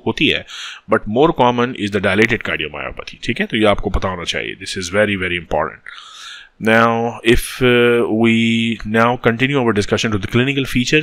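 A man's voice: on the low side, fairly bright tone, no echo. A man with a South Asian accent giving an informal medical lecture, mixing English with Urdu-Hindi and checking understanding with short tag questions. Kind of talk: informal lecture, reading and explaining a textbook. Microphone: close mic, screen-recording voice-over.

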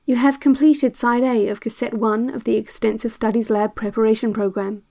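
An actress playing a calm, eerie instructor on a relaxation tape, speaking in a measured, soothing, detached way. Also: female voice, fairly high pitch, creaky. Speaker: narrator of instructional cassettes. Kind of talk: scripted guided relaxation narration.

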